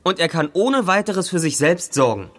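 A man's voice: high-pitched, sing-song, moderate pace, a bit bright, exaggerated voice. An actor playing a polite, persistent young male investigator in a German radio drama. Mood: earnest, questioning. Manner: polite, insistent questioning.

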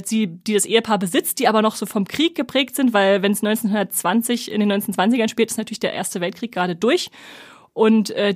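A woman's voice: a little high, no echo, studio quality. A woman co-hosting a casual podcast, presenting new series in a chatty, upbeat way with lots of fillers. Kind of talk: casual chat.

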